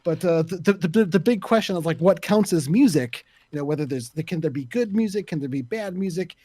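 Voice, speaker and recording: A man in a casual panel discussion, speaking in a halting, thoughtful and opinionated way. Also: on the high side, lively intonation, mellow, no room sound. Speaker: podcast panelist.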